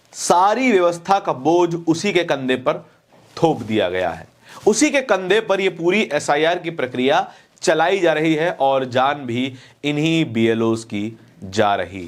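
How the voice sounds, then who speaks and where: A man presenting opinionated news commentary, speaking emphatically with repeated phrases and rhetorical questions. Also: on the high side.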